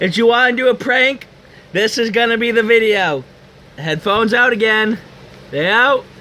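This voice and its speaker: A man shouting in a raised, projected voice with an American accent, extremely high-pitched and bright and sharp in tone, with ordinary pitch variation, a moderate pace and long, frequent pauses. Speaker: YouTuber reviewing product. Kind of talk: casual product demo. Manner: loud, yelling.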